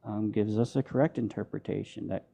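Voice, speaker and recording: A man's voice: lowish voice, fairly even intonation, brisk, vocal fry, mellow. A man arguing his side in a live online debate, heard over a muffled phone or headset mic on a call, pressing his points with frequent ums and restarts. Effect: muffled remote call mic, sounds underwater. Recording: muffled, dull lo-fi call audio.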